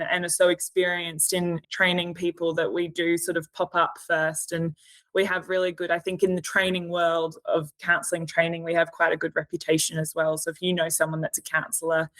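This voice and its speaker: A woman's voice: lowish voice, fairly bright tone, no room sound, rough recording. A woman in her thirties from Australia with an Australian accent, chatting as a podcast guest and hedging often with "sort of" and "you know". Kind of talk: casual interview chat.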